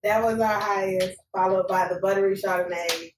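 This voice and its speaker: A woman's voice: mid-range voice, steady tone, moderate pace. Casual woman co-host, roomy distant sound. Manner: runs a playful quiz, laughs often. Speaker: podcast co-host. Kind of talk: casual chat over wine. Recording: roomy, distant mic, faint noise.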